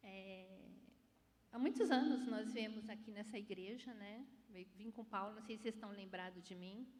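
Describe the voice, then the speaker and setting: A soft-spoken, somewhat breathy woman talks at a moderate pace with a fairly high pitch and fairly even intonation, pausing often and at length. Her loudness swings widely, and there is audible room echo. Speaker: church member giving testimony. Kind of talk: testimony. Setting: church service.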